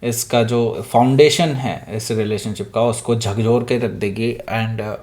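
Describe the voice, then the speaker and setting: A man gives a casual tarot reading, mixing in English phrases and many fillers, his throat sore and husky today. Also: medium pitch, steady tone, measured pace, a little mellow. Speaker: tarot reader.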